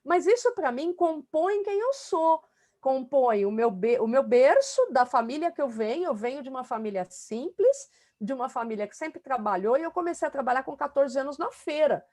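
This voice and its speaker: A woman's voice: high-pitched, lively intonation, moderate pace, a little mellow. A middle-aged woman talking in a casual interview, emphatic and talkative, with many fillers. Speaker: student being coached.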